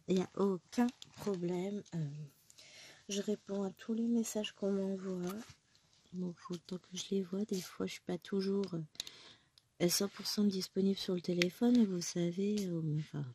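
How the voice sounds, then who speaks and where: Stitching at home with a cold, this woman in her thirties rambles casually for her crafting vlog and keeps correcting herself. Her voice is on the low side and mellow, picked up by a phone close by with a little hiss or hum.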